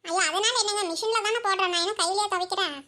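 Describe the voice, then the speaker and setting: A woman voicing a gentle young village wife in a cartoon, protesting softly. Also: very high-pitched, steady tone, fast talker. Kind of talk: cartoon voice acting.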